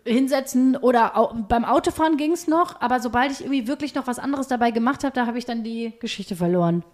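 A woman's voice: a little high, quick pace, darkish tone. A woman podcast host talking in a casual, conversational chat.

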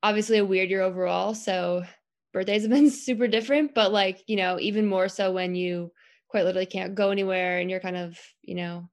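A woman's voice: medium pitch, steady tone, a little fast. A woman in her twenties co-hosting a basketball podcast, easygoing, laughing often and using many "um"s. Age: 20s. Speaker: co-host of a college basketball podcast. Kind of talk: casual sports podcast chat.

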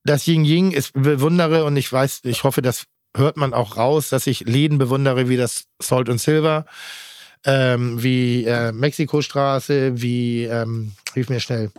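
A middle-aged man from northern Germany, a chef, talking as a podcast guest in a halting, blunt way with many restarts. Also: mid-range voice, fairly even intonation, a little mellow, clear, resonant tone, dry recording, clean studio sound. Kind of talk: casual podcast chat.

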